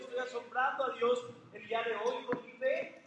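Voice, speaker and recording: A man speaks at a fairly slow pace with an extremely high pitch. His intonation is monotone and flat, and the room echo is audible. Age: 50s. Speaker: pastor. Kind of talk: sermon.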